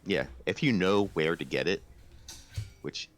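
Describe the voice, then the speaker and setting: A man's voice: low voice, lively intonation, measured pace, slight background noise. A man co-hosting a casual podcast, talking about video games in an emphatic, enthusiastic way. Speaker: podcast co-host. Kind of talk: casual video game discussion.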